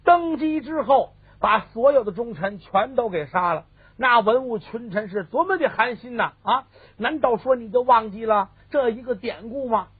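A man's voice: very high voice, lively intonation, moderate pace, husky, dry recording, voice pushed up, full character voice. A male storyteller voicing an elderly imperial dowager who scolds in a commanding way. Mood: scolding. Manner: scolding, urgent. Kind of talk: traditional storytelling. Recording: tinny phone-band recording.

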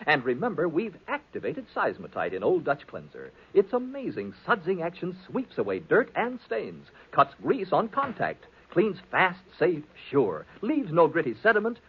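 A man's voice: on the high side, slightly rough. A man announcing a 1940s radio show, delivering scripted narration and sponsor messages in a polished, emphatic manner. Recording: tinny, hazy 1940s radio recording.

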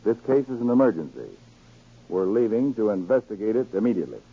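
An actor playing a stern, commanding government counterspy chief in a 1940s radio drama, with clipped, deliberate speech. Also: male voice, on the low side, sing-song, slightly rough, heavily acted. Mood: urgent, grave. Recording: scratchy, narrow-band 1940s radio recording.

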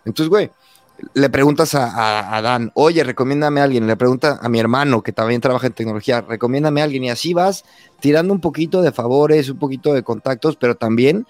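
A man's voice: medium pitch, brisk, dry recording. Mexican man in his thirties, dry sound. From Mexico, San Luis Potosí. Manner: animated, acts out quoted dialogue, says güey constantly. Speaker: podcast host being interviewed. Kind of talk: casual conversation.

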